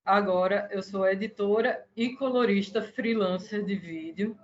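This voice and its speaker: Soft-spoken woman on a lo-fi recording. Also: medium pitch, a little slow. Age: 30s. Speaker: podcast editor. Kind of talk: casual podcast chat. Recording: dull lo-fi sound with faint noise.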